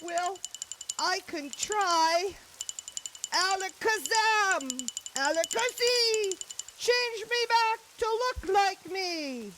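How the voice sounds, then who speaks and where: A woman voicing a sick, fretful male wizard in a puppet show, speaking slowly and apologetically. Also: very high-pitched, lively intonation, heavy background noise, full character voice. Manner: slow, apologetic, earnest.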